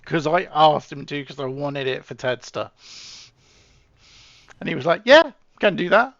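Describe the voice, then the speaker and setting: A man's voice: fairly high pitch, big pitch swings, measured pace, gravelly, a bit bright, no echo, highs cut off. A man casually chatting with his live-stream audience while setting up soldiers in a game, often trailing off and restarting.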